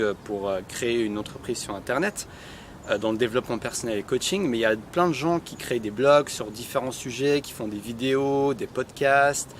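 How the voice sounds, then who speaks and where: A man talks to camera in a relaxed, improvised way, pausing often on hesitations. His voice sits at an ordinary middle pitch. Faint traffic and street sounds hum in the background. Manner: relaxed, spontaneous, frequent filler hesitations. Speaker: personal development vlogger. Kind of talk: improvised casual talk to camera.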